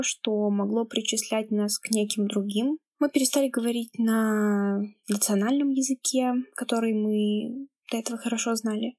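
Calm young woman, slightly high voice. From Kamchatka, Russia. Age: late teens. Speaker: storyteller. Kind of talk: personal account, reflective narration.

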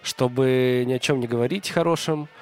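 A man's voice: mid-range voice, moderate pace, clean tone. A man in a casual podcast conversation, agreeable and reflective, hesitating with fillers.

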